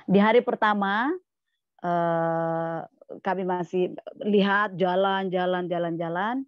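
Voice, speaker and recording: Low-voiced woman telling a testimony. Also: steady tone, takes it slowly, clear, resonant tone, no echo, muffled recording. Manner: plain storytelling, repeating words and restarting, quoting others. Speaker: guest speaker at a church service. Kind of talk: testimony sermon, storytelling.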